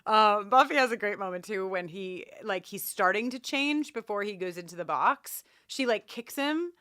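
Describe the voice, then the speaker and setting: A woman co-hosting a podcast, chatting casually and emphatically as she recaps a TV episode, with animated mock exasperation. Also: medium pitch, moderate pace, no room sound, studio quality. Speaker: podcast co-host.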